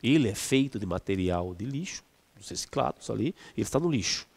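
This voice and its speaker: Man teaching a lesson, lively up-and-down pitch, stretches words for stress, long reverberant room. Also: a little fast, creaky, husky. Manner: explanatory, with frequent fillers and restarts. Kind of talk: exam-prep lesson.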